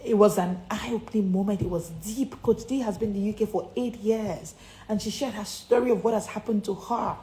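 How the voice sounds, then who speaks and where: A woman's voice: mid-range voice, brisk, warm tone. A woman with a Nigerian accent giving a motivational coaching talk to online followers, speaking emphatically and repeating key phrases like a preacher. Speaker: confidence and public speaking coach. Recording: echoey room with faint background noise.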